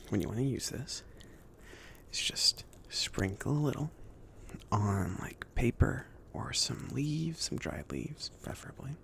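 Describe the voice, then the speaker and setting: A man playing a chill, friendly mage in an ASMR roleplay, speaking softly between whisper and murmur in a casual, hesitant, rambling way. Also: mid-range voice, heavily acted. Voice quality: soft, breathy whispering mixed with murmured speech. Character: chill, friendly male mage kindly outfitting his apprentice.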